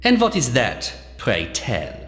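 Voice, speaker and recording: An actor playing a smug, deranged doctor villain in a video game, with a pompous, over-enunciated, grandiose delivery. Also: male voice, medium pitch, huge pitch swings, slow, a bit bright, full character voice. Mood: smug, mocking. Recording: echoey reverberant hall, faint music behind.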